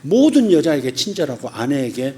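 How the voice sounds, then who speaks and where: A middle-aged male pastor delivers a sermon in a fairly high voice. He talks colloquially and animatedly, laughs often, and jumps into loud, high bursts when he acts out the voices he quotes. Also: very animated, moderate pace.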